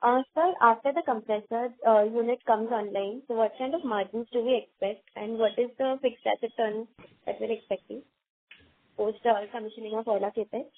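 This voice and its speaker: Higher-pitched Indian woman calling by phone. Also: fairly even intonation, fairly quick. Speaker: caller asking questions on investor call. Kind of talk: question and answer. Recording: faint, narrow phone line.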